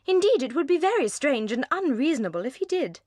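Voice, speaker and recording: A high, lilting English wife who sweeps up and down as she coaxes, as a woman reads her. She is cold and grasping under a sweet, reasonable surface, in a dry, close storybook recording. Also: sing-song, fairly quick, a little mellow, no echo. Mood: coaxing. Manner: persuasive, coolly reasonable. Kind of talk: audiobook character reading.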